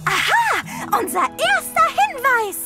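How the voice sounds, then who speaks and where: Little girl heroine: confident, exclaiming, high and unhurried cartoon voice, prominent music behind. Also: big pitch swings, full character voice. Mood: eager. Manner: eager, commanding, exclaiming. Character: bright, confident little girl playing detective with her pet. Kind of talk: children's cartoon voice acting.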